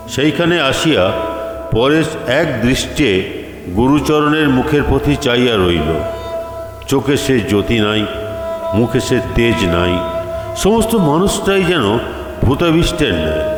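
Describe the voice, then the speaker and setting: Slow male storyteller in a reverberant hall. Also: mid-range voice. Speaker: story reader. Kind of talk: scripted literary story narration. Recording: echoey hall reverb, faint music. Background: faint background music.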